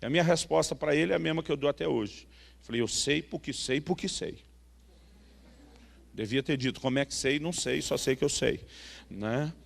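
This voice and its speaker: A man's voice: a little high, a little fast, vocal fry, big-room sound. A man with a Brazilian Portuguese accent preaching a sermon, telling a story and acting out the dialogue, with frequent tag questions. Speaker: pastor.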